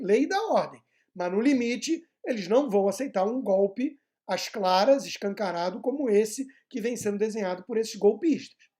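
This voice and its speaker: Male pundit, dark mellow tone, halting delivery full of fillers, opinionated commentary. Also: high voice. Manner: hesitant, many filler sounds and tag questions. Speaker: political commentator.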